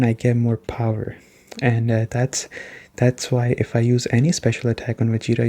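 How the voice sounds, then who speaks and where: Male ASMR gaming reviewer: soft-spoken, warm and relaxed tone, informal rambling explanations. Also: medium pitch. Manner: rambling, explanatory, often checking in with "right?".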